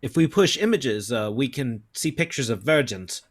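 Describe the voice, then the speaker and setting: A man's voice: mid-range voice, expressive, normal speed, close to an everyday voice. A man playing a mild, plain-spoken human computer guy in a comedy table read. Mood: mild, helpful. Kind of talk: video-call table read of a comedy film script. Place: remote video-call reading.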